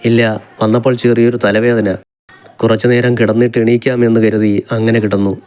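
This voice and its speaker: A man's voice: medium pitch, level tone, fairly quick, a little mellow, clean tone, natural voice. Guy reading as a stubborn teary young wife, pleading and defiant, audiobook. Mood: sulky.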